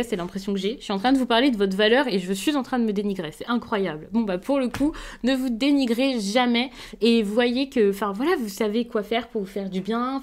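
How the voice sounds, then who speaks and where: Gentle woman reading tarot cards. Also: fairly high pitch. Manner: gentle, reassuring, with frequent hesitations. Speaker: tarot card reader. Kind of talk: casual tarot reading to camera.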